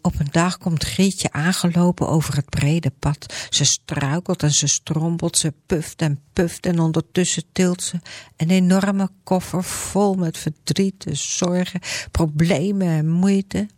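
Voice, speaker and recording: A woman reading a Christian story aloud to listeners, expressive and lively. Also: lowish voice, unhurried, dry recording, studio quality.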